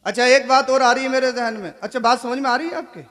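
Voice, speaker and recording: A male preacher giving a sermon, swinging between shouted exhortation and quiet, conversational asides, often asking the crowd questions. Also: very high voice, fairly even intonation, quick pace. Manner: keeps asking the audience questions. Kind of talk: sermon at a religious gathering.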